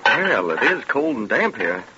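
A man's voice: mid-range voice, sing-song, measured pace, highs cut off. A man playing an earnest, wrongly accused young auditor in a 1930s radio drama. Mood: earnest, subdued. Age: young adult. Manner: earnest, eager. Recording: noisy, band-limited 1930s radio recording.

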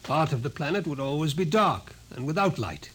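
An actor playing a coolly sardonic, authoritative scientist in a 1950s radio drama, speaking in measured, probing lines. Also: male voice, on the high side, animated, a bit bright, slightly rough. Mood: cool, detached. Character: commanding male scientist, coolly sardonic, explains things calmly. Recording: noisy old 1950s radio recording.

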